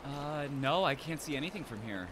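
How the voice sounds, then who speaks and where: Man acting an easygoing, animated young friend. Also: a little high, fairly quick, slight background noise. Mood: uneasy. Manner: casual, conversational. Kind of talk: audio drama acting.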